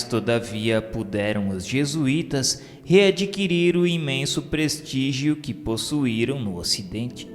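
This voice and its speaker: Brazilian male narrator, solemn and formal, unhurried scripted religious radio drama read, long reverb. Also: mid-range voice. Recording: long hall reverb under music. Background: music.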